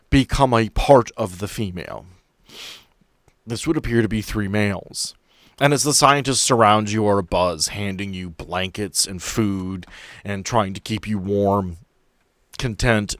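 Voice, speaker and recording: A man working as game master, narrating a tabletop roleplaying podcast in measured, dramatic storytelling with drawn-out phrases. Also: fairly low pitch, dry recording, studio quality.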